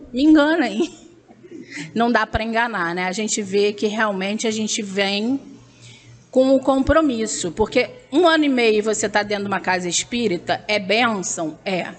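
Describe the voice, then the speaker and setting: A woman's voice: mid-range voice, lively intonation, moderate pace. A woman in her thirties from Brazil, a teacher giving a joking, chatty testimony on a hall mic. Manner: chatty, joking, loud-voiced. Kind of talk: public talk at a spiritist center. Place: meeting hall.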